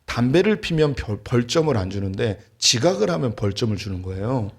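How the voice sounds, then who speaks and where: Middle-aged pastor preaching with humor. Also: male voice, medium pitch, big pitch swings, a little fast, breathy edge. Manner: storytelling with light humor. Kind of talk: sermon. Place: church sanctuary.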